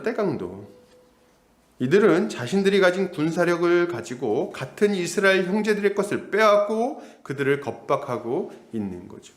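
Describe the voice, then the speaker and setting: A middle-aged male pastor preaches with a fairly high, very lively voice that rises and falls widely. He slips into the characters' voices as he explains the passage. The sound is roomy, with the echo of a church hall. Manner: animated, acts out characters. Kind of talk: expository sermon.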